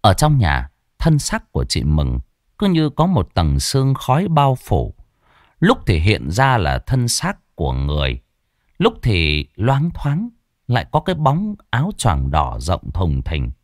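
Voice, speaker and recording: A man's voice: fairly low pitch, huge pitch swings, unhurried, no echo, studio quality. A man telling a folk ghost story in a dramatic, swooping way.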